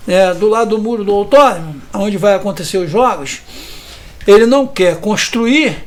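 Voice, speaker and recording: A Brazilian man in his fifties, a community resident interviewed about evictions, gives indignant testimony in a high, expressive voice at normal speed. He often ends sentences with a question tag and restarts hesitantly.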